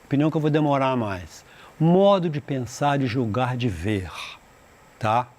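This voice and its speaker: A man teaching an English lesson in Portuguese, reading English passages slowly, translating them, and often restarting his sentences. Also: mid-range voice, lively intonation, a little mellow. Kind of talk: recorded school lesson.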